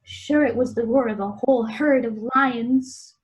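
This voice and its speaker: Woman as high-voiced sly alarmist noble. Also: measured pace, close to an everyday voice. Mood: alarmed. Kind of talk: Shakespeare radio play reading.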